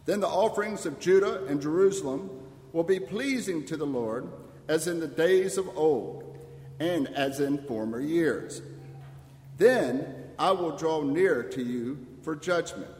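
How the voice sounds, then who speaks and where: A man reading scripture aloud at a church service in a formal, measured, declamatory way. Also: fairly high pitch, a little mellow. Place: large church. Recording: very echoey church, long reverb.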